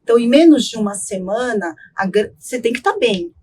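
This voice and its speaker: A middle-aged woman, an ENT doctor, explaining voice care in an interview in a measured way, often ending with tag questions. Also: fairly high pitch, animated, a little mellow, husky. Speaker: ENT doctor, guest expert.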